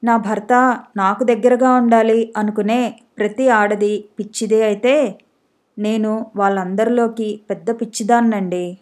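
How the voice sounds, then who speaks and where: A woman's voice: on the high side, steady tone, a little slow, darkish tone, lightly acted. A woman reading the part of a hurt young wife who feels neglected, reproachful and pleading in a storybook reading. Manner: tearful, reproachful.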